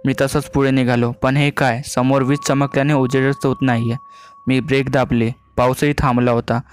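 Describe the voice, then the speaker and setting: Male storyteller, flat even horror narration, light music underneath. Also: medium pitch, moderate pace. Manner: even, steady storytelling delivery. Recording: faint music behind the voice.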